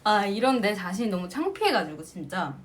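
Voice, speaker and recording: A woman chats casually with her fans over a livestream, her pitch swinging widely as she tells stories. She laughs often between phrases and keeps an easy, animated way of talking. The sound comes through a phone mic. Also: brisk. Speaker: singer hosting a fan livestream.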